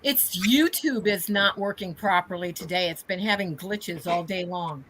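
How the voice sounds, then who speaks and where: A woman's voice: fairly low pitch, normal speed, fairly bright tone, slight background noise. A woman from Ohio hosting a casual live stream, explaining things plainly with small restarts.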